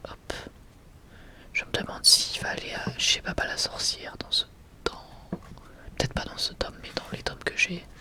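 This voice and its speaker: A person whispering softly and casually in an unscripted, hesitant ASMR presentation. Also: normal speed. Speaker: ASMR video creator presenting a manga collection.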